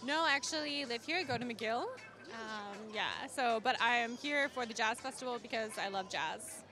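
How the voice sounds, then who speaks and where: A woman's voice: fairly high pitch, normal speed, soft background music. A young woman from New York, a university student, chatting casually and easygoing at a festival. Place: outdoors at a festival.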